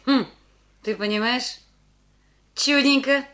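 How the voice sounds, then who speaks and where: A woman's voice: high-pitched, slow, fairly bright tone. An actress playing a middle-aged housewife and mother who questions everyone sharply and suspiciously in a radio play.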